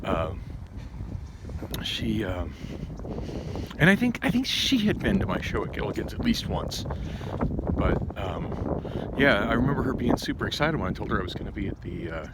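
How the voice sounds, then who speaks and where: A man's voice: fairly low pitch, sing-song, normal speed, long pauses. A man vlogging as he walks outdoors, talking casually in a rambling, digressive way that wanders and circles back. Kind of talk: casual rambling walking monologue to camera. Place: outdoors on a street, walking. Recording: loud wind noise buffeting the microphone. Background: loud wind.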